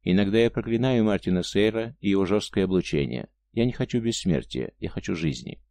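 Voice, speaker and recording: A man reading the part of an immortal young princess, bored, cruel and teasing, with a soft murmuring delivery. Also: deep voice, animated, fairly quick, gravelly, no room sound. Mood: bitter.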